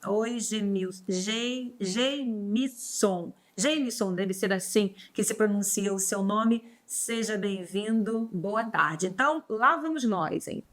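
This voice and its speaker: A woman's voice: medium pitch, slow pace, hardly any pauses, a bit bright. A Brazilian woman teaching a live online law class. She greets viewers by name and then explains steadily. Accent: Brazilian Portuguese.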